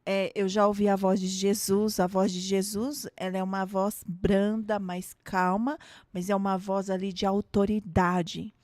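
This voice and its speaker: Brazilian lady pastor, soft chatty voice, laughs a lot, dry mic. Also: mid-range voice, level tone, unhurried, dry recording. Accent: Brazilian Portuguese. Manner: soft, warm-toned asides, laughs easily. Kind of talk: casual conversation.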